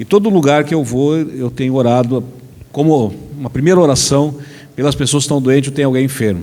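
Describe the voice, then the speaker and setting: A man speaks fairly quickly at a fairly high pitch, with ordinary pitch variation. Audible room echo and noticeable background noise fill the recording. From southern Brazil, Rio Grande do Sul (Passo Fundo). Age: 60s. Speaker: pastor and city council president. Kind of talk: sermon.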